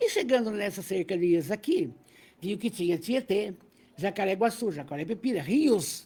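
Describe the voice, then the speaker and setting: At a moderate pace, a woman talks in a somewhat breathy, medium-pitched voice with lively intonation. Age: 80s+. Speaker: spiritist teacher. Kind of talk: religious study lecture. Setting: Facebook live stream.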